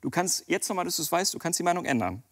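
Speaking very fast in a high, sing-song, fairly bright voice, a man who works as a magician chats casually as a TV show guest. He walks through a card trick step by step, poking fun at himself along the way.

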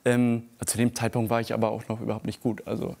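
A young man from Föhr, a singer and guest on a talk show, talking in a relaxed, chatty way with many fillers. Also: on the low side, quick pace, vocal fry. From Germany, Föhr. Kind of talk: casual talk show chat.

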